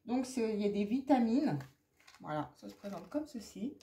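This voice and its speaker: A woman's voice: mid-range voice, lively intonation, normal speed, mellow. A middle-aged woman from France chatting casually and rambling through a shopping haul, with many fillers and asides, and a persistent cough. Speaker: haul vlogger. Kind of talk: casual haul chat to camera.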